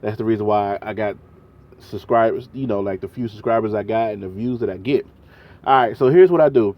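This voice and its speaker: A man's voice: fairly low pitch, a little fast, muffled recording. A man with a chest cold, coughing now and then, talking loosely and casually in a vlog. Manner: loose, chatty, slangy. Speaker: vlogger; truck driver.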